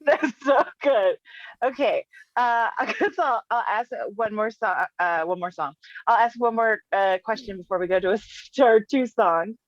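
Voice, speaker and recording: Woman comedian host, upbeat and laughing, slightly high voice, dry sound. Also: no echo, dull audio. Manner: enthusiastic, quick to laugh. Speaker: comedian interviewer. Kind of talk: casual interview chat.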